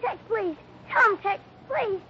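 An actor playing an earnest, excitable young cowboy boy, pleading urgently in an old-time radio western. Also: extremely high pitch, a little slow, over music. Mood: desperate pleading. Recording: dull old radio recording, noisy crowd behind.

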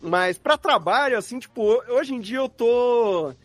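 A man's voice: very high voice, lively intonation, measured pace, dry recording, faint music behind. A man with a Brazilian Portuguese accent chatting casually as a guest in a live podcast interview. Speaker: podcast guest, audio drama producer.

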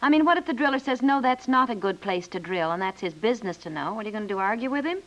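An actress playing a skeptical, practical wife who gently needles her husband in a dry, wry way, in 1950s radio comedy style. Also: on the high side, expressive, fast, dull audio, lightly acted. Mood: dry, needling. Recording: 1950s network radio recording.

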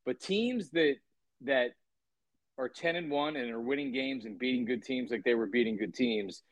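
Middle-aged male guest, halting and emphatic, dry remote-call audio. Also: mid-range voice, no room sound. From Philadelphia area. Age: 50s. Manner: halting, repeats words, opinionated. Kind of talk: casual podcast chat.

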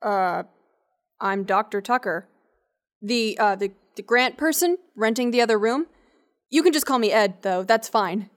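Awkward sarcastic lady scientist, kinda high voice, rambly and sweary, audio drama. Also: animated, unhurried. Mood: awkward, flustered. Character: awkward, wry, sweary young woman scientist and cryptozoologist. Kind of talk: naturalistic audio drama acting with first-person narration.

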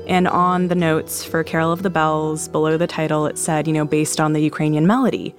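Interview guest, a woman from California; plainspoken, explanatory, slightly low voice. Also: level tone, fairly quick, soft background music. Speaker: journalist guest. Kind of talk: conversational interview.

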